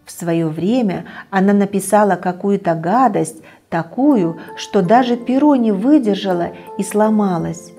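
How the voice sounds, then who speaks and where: Middle-aged female storyteller, gentle and expressive, studio read with faint music. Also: mid-range voice, a little slow, few pauses. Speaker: children's TV storyteller. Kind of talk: reading a bedtime story aloud. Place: indoor TV studio set, children's room.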